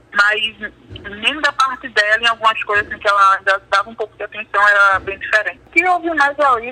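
A woman speaks with a fairly high pitch in a normal speaking voice. The sound is dry and close, with no echo. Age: 30s. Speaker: domestic worker. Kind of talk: testimony.

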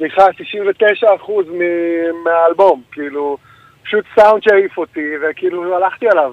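A man delivers his words fairly slowly in a high register, his pitch varying in an ordinary way. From northern Israel, Nazareth Illit. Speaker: singer-songwriter and musician. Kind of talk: casual radio interview. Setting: remote call from a car in traffic.

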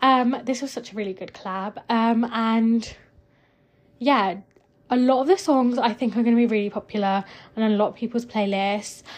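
A woman's voice at a moderate pace, with fairly even intonation. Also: fairly high pitch for a woman, quiet background. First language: Punjabi heritage but English first; Punjabi not first language. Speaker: podcast host, music reviewer. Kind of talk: casual solo review chat. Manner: casual, frequent fillers.

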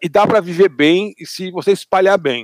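This man talks at a moderate pace. The sound is dry and close, with no echo. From Brazil, Piracicaba (São Paulo interior). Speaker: podcast co-host, journalist. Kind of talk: casual chat.

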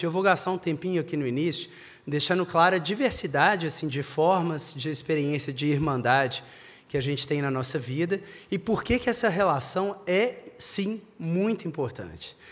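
A quiet man's voice, fairly high, at a moderate pace with ordinary pitch variation. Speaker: pastor. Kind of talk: sermon. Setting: church. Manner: speaking more quietly.

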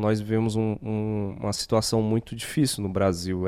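A man's fairly low voice at a moderate pace, fairly even in intonation, an ordinary speaking voice. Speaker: podcast co-host. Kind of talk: reflective discussion.

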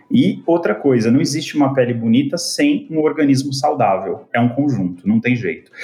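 The speech moves at a moderate pace with lively intonation. Noticeable background noise is heard. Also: man, fairly high pitch for a man. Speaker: dermatologist. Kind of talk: expert interview.

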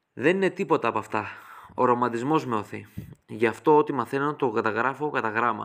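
Medium in pitch, a man's voice shows ordinary variation. He talks very quickly. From Greece, Rhodes. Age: 20s. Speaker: traditional musician and folk music researcher. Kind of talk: interview answers. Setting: remote recording.

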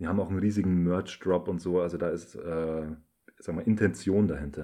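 A man's very deep, low pitch and dark, mellow tone at a moderate pace, with fairly even intonation and a quiet background. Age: 20s. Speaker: radio show host. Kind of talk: casual music show presentation.

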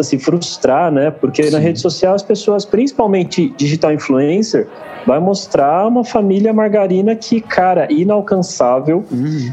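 Noticeable background noise behind a man whose pitch swings very widely. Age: 30s. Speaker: father in podcast discussion. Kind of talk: casual chat.

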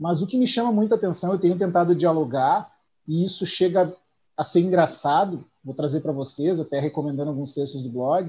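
A man with a high pitch and a dark, mellow tone speaks at a fairly quick pace. His pitch varies in an ordinary way against a quiet background. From southern Brazil, Porto Alegre. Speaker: labour judge. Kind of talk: podcast interview.

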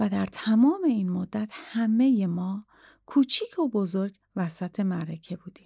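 With a dark, mellow tone and somewhat breathy delivery, a woman speaks at a fairly slow pace with ordinary pitch variation and big swings in loudness, in a very clean recording with a silent background and a dry, close sound with no echo. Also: medium pitch for a woman. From Kurdistan, Iran. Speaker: podcast founder narrating her life story. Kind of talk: scripted memoir narration.

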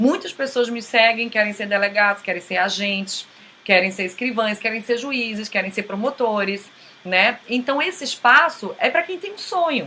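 Lively intonation marks this woman's speech. Her pitch is fairly high. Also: moderate pace. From Northeast Brazil, João Pessoa (Paraíba). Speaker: podcast host, forensic expert. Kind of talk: casual talk to listeners.

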